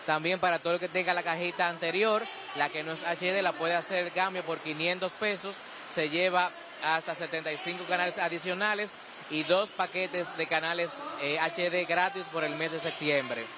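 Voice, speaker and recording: A young Dominican man at an expo fair stand, rattling off prices and plans into a handheld mic. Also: steady tone. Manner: quick sales pitch listing prices. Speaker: company representative. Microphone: interviewer's handheld mic. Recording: noisy fair hall.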